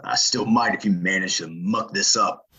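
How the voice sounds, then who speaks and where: A man playing a gruff, menacing frontier colonel in an audio play, rough, blunt and folksy, on a dull lo-fi microphone. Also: low-pitched, normal speed, sharp tone, slight background noise. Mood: gruff, threatening. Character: gruff, menacing Old West colonel, tobacco-chewing gunman.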